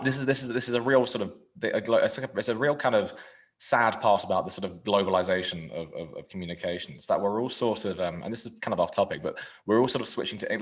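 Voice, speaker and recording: A man hosts a podcast in a loose, rambling way, stacking up fillers and restarts. He talks low and fast, and his voice often drops off to a murmur. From England. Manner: rambling, filler-heavy, trailing off quietly. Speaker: podcast host. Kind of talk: casual podcast chat.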